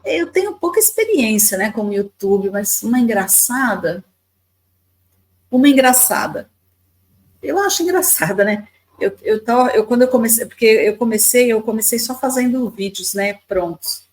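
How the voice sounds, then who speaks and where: Brief: Brazilian woman in her fifties, a guest on a podcast, talks chattily with restarts, voice sits a little high. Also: lively intonation, moderate pace, rough recording. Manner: chatty, repeats words, many tag questions. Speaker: podcast guest, YouTuber and lawyer. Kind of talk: casual storytelling interview.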